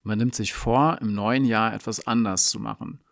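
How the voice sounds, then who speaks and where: A man presenting a language lesson, explaining in a calm, clear scripted dialogue. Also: fairly low pitch, normal speed, no echo, clean studio sound.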